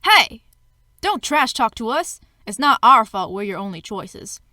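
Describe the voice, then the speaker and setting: A woman's voice: a little high, sing-song, unhurried, bright, forceful tone, no echo, studio quality, exaggerated voice. A woman playing a folksy, bumbling, blustering governor in a satirical reader's theater piece, declaiming with mock assertiveness. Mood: defensive.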